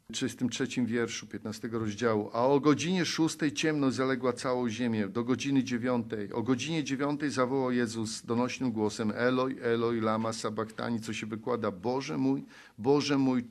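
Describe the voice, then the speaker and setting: A man from Poland preaching a sermon, pleading and exhorting, moving between loud appeals and hushed low passages, and reading scripture aloud.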